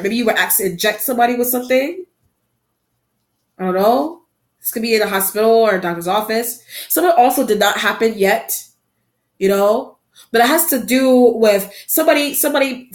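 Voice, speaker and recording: A woman giving a tarot card reading to her viewers. She talks in a musing, halting way, repeats her phrases and often breaks off to exclaim. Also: mid-range voice. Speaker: tarot reader. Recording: echoey room.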